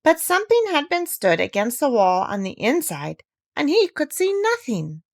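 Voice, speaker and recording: Animated woman reading a children's story. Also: high-pitched, normal speed, dry recording, studio quality. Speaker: audiobook reader. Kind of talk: expressive children's story narration.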